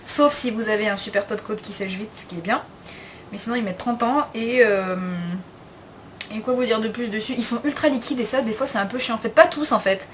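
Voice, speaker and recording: A woman's voice: a little high, brisk, slight background noise. A young woman talking casually in a beauty haul video, chatty and frank, with slang and many fillers. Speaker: beauty vlogger.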